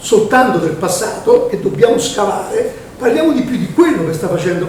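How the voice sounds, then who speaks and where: A man's high voice with lively intonation, noticeable background noise and audible room echo. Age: 60s. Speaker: newspaper editor and author. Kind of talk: book presentation speech. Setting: regional council hall with audience. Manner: halting, with false starts.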